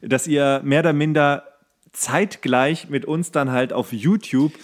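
A man's voice: medium pitch, a little slow. A man hosting a podcast in a casual, rambling chat, often searching for his words. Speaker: podcast host.

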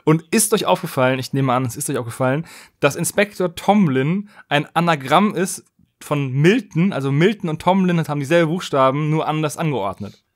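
A man's voice: a little high, expressive, a little fast. A man co-hosting a podcast, discussing casually in an analytical, questioning way. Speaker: podcast host.

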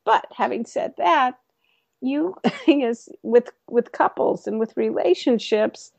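A woman comedy coach and author, joking her way through an interview and slipping into quick comic voices. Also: fairly high pitch, animated, gravelly, darkish tone, dry recording, dull audio. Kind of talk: animated interview guest.

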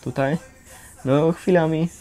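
A man's voice: on the high side, steady tone, slow pace. A young man chatting casually in an interview, colloquial and full of tag questions. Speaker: youth centre resident. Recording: loud music over the voice.

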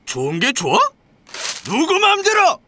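High, forceful, indignant pastor. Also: male voice, huge pitch swings, a little slow, heavily acted. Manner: blustering, confrontational. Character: indignant, quarrelsome male church pastor. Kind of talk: audio drama acting.

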